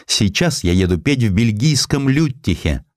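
A proud, passionate opera diva, as a male narrator puts her on in an audiobook. The lines are declaimed theatrically, with sweeping intonation in a low register, recorded dry. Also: expressive, moderate pace, dry recording, close to an everyday voice. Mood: wounded, resolute. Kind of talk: audiobook character acting.

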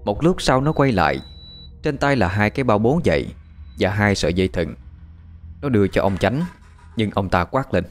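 A man narrating a scripted audio story in a steady, dramatic way. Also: fairly low pitch, normal speed, pauses often. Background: faint background music.

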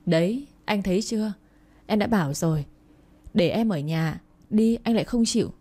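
A woman's voice: mid-range voice, dark tone, slightly rough, natural voice. A woman voicing an arrogant pregnant stepmother who scolds a child and complains to her husband. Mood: complaining. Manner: scolding, rapid, contemptuous.

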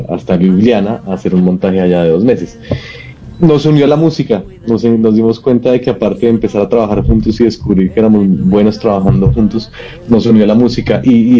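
Actor guest, low dark tone, muffled radio sound, easygoing and hesitant. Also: male voice. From Colombia. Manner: reflective, with frequent hesitant fillers. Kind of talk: casual conversational interview answers.

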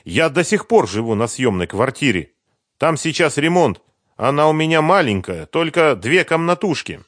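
A man's voice: fairly high pitch, big pitch swings, moderate pace, fairly bright tone, dry recording, studio quality, voice pushed up. A man reading the part of a twenty-three-year-old woman singer, who sighs and talks persuasively about men and money. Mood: chatty. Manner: sighing, persuasive, lightly complaining. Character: young woman pop singer, 23, coy and calculating.

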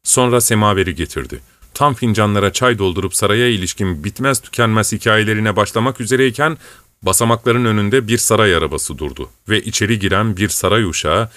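Male audiobook narrator, steady and even; lowish voice, dry close recording. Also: a little fast, no echo.

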